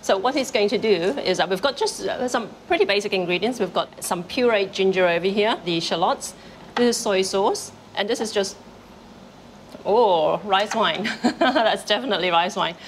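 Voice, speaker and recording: A woman's voice: medium pitch, a little fast, a little hiss or hum. A woman hosting a travel food show, chatty and upbeat as she tastes dishes. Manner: upbeat, chatty, talks with mouth full.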